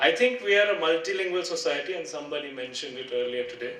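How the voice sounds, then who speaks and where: Projecting his high voice at a moderate pace, a man with a Gujarati accent speaks amid noticeable background noise and audible room echo. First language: Kutchi. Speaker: university head. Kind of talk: conference address. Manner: halting.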